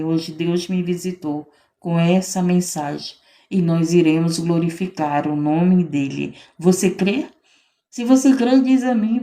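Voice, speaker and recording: A woman's voice: fairly low pitch, vocal fry, mellow. A woman missionary preaching a fervent sermon, repeating phrases and building emphasis. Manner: fervent, repetitive exhortation with rising emphasis.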